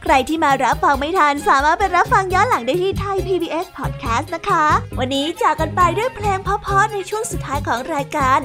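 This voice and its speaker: A woman's voice: very high-pitched, lively intonation, brisk, hardly any pauses. A woman hosting a children's radio show, politely and cheerfully signing off. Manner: sweet, polite, upbeat. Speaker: host. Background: background music.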